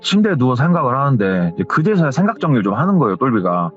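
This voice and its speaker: A man's voice: medium pitch, sing-song, racing, muffled recording, faint music behind. A man telling a horror story casually, retelling what someone else told him in a conversational tone. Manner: conversational, retells secondhand with hearsay endings.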